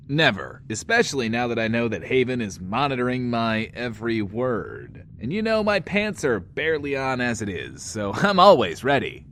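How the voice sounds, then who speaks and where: Swooping, cocky radio DJ. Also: male voice, mid-range voice, fairly bright tone, slight background noise, heavily acted. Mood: cocky, teasing. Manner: drawling, refers to himself in third person. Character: cocky, flirtatious male radio DJ, secretly soft-hearted. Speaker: radio show host. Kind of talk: in-world radio DJ acting in an audio drama.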